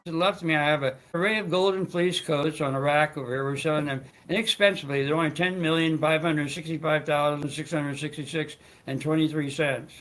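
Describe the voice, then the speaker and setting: A man's voice: a little high, steady tone, brisk, hardly any pauses, a bit bright, faint music behind, poor audio. A man hosting his own talk show, speaking in a rambling, stammering way with frequent restarts and joking asides. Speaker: show host.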